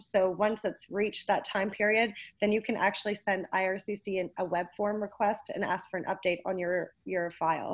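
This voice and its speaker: The background is quiet. A woman speaks at medium pitch with fairly even intonation. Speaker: university international student advisor. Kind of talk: webinar Q&A. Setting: online webinar. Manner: fast.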